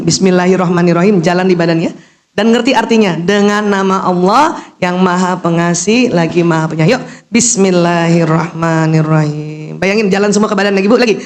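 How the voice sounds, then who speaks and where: A middle-aged woman giving an animated religious lecture to women, posing questions and answering them herself, with a teasing manner. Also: medium pitch. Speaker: Islamic lecturer and doctor.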